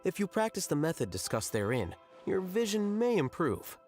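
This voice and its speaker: An actor playing an aloof, dry-witted young male scholar in a video game, deadpan and condescending. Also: sits high, normal speed, soft background music. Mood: dry condescension.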